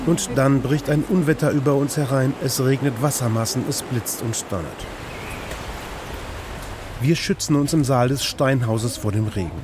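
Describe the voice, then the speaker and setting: A man's voice: mid-range voice, moderate pace, crowd noise. Man narrating a radio report.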